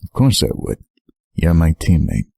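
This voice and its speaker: Dude playing steady young superhero, really deep voice, calm and supportive, dry recording, radio play style. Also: male voice, unhurried, gravelly, husky, no echo, exaggerated voice. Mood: reassuring, sincere. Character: earnest, steady young male Atlantean superhero. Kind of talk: audio drama acting.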